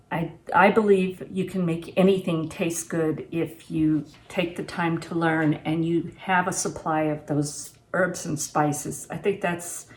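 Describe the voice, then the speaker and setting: A woman in her sixties talking casually and unscripted to camera in a home kitchen, plain-spoken and reflective, like a vlogger giving practical advice. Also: lowish voice. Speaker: homesteading vlogger reviewing gear and giving advice.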